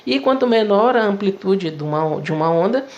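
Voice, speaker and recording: A man's voice: high-pitched, animated, brisk, darkish tone, highs cut off. Chatty male physics teacher explaining. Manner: conversational, explaining step by step with frequent tag questions. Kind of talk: video lesson.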